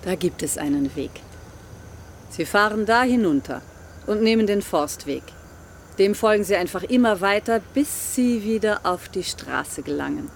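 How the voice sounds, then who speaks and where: An actress playing a calm local woman who gives directions in a slow, matter-of-fact way. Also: mid-range voice, gravelly, a little hiss or hum. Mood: helpful. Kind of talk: audio drama acting.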